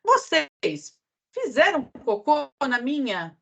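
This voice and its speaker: A woman voicing a small, near-sighted young female mole who keeps asking in a high, insistent voice, reading a storybook aloud. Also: sing-song, slow, gravelly, bright, forceful tone, heavily acted. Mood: indignant. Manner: high, insistent repeated questioning.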